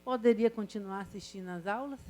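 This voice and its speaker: A woman's voice: medium pitch, brisk, a little mellow, a little hiss or hum. An older woman professor, lecturing a class in a chatty way, full of rhetorical questions and stories. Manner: conversational, asks students rhetorical questions. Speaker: university professor.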